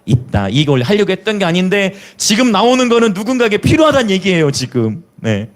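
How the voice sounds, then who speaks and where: Lively pastor. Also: male voice, sits high, fairly quick. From Jeolla, South Korea. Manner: lively preaching with rhetorical questions and hallelujahs; chuckles between remarks. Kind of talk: sermon.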